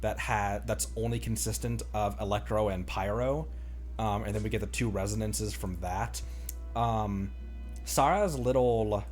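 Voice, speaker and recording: Low-voiced man casually commentating a game stream. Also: steady tone, a little mellow, soft background music. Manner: halting, thinking aloud. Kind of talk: casual livestream gameplay commentary.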